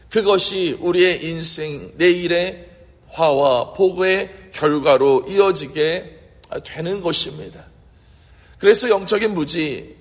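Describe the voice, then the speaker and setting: A man's voice: sits high, breathy edge. A man preaching a sermon as a pastor, earnest and fervent, asking rhetorical questions. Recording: long hall reverb.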